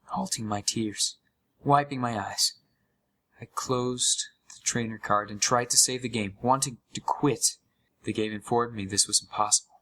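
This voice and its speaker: A man playing a haunted gamer, narrating a scripted horror story with deliberate, dramatic pauses full of dread. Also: medium pitch, fairly bright tone, slight background noise, close to an everyday voice. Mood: stunned dread.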